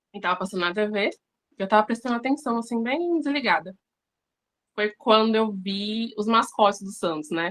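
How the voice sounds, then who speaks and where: A woman with lively intonation uses an ordinary speaking voice and keeps a moderate pace. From São Vicente, São Paulo coast, Brazil. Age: 20s. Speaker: football fan. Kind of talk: casual interview chat.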